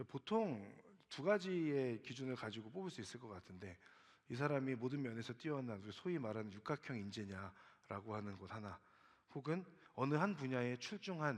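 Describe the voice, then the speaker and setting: Intonation here is lively at a moderate pace. The background is quiet. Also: man. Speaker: pastor. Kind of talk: sermon. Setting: church service in a school auditorium.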